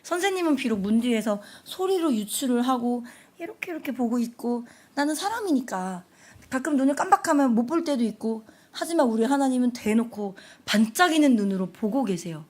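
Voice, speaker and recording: Animated young woman preaching to families. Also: fairly high pitch, fairly quick. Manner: animated, acts out children's voices. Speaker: preacher at family prayer service. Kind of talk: storytelling sermon for families.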